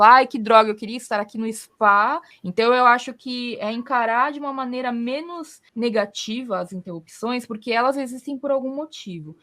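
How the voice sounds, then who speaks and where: A Brazilian woman hosting a casual talk, explaining her points with everyday examples. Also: on the high side. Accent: Brazilian Portuguese. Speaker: podcast host. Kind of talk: casual conversational advice.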